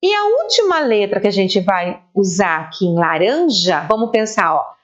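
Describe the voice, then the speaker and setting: A Brazilian Portuguese woman teaching an online reading lesson to young children, spelling out syllables slowly and praising them. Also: mid-range voice, big pitch swings, dull audio.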